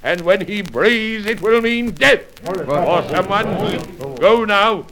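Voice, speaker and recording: An actor playing a proud, stern, cunning Arab chieftain with pompous, formal diction in a 1940s radio drama. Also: male voice, high-pitched, animated, slow pace, a crowd in the background, exaggerated voice. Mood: commanding. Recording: noisy old radio recording with clicks.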